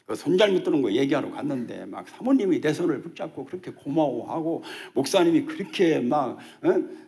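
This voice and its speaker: An older man gives a testimony sermon as a church elder, talking quickly. His pitch leaps up and down as he acts out the dialogue in his story, which keeps the storytelling animated. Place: church service.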